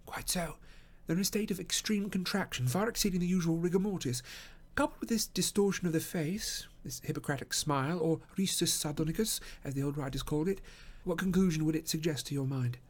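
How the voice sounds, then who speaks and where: A man voicing an assured, analytical gentleman detective in an audiobook, speaking in a precise, dry, instructive manner. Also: fairly high pitch, fairly quick, few pauses, pitched above the performer's own voice, close to an everyday voice. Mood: calm, analytical. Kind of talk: audiobook character acting.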